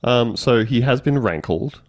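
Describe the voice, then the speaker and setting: A man's voice: medium pitch, animated, a little slow, no room sound, studio quality. A man co-hosting a comedy podcast, reading a news article aloud with wry, sarcastic commentary. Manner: wry, sarcastic, reads quotes aloud with mock voices. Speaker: podcast co-host.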